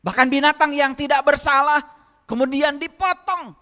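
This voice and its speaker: A man's voice: very high voice, moderate pace, pushed and bright, in a large hall. A man giving a spiritual lecture to a congregation, often asking them rhetorical questions and speaking to them directly. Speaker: religious lecturer.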